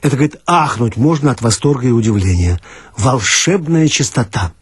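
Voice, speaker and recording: Husky guy reading a funny story, ironic, swoopy delivery, dry sound. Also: medium pitch, brisk, dry recording. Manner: ironic, mock-serious, animated. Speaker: narrator. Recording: dry archival radio recording.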